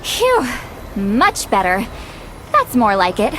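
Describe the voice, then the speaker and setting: A woman's voice: mid-range voice, wildly swooping pitch, slow pace, over loud music, rough recording. A woman voicing an irritable, outspoken, bookish tribal warrior elder with a youthful voice in a video game. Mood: smug. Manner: huffy, blunt, dramatic.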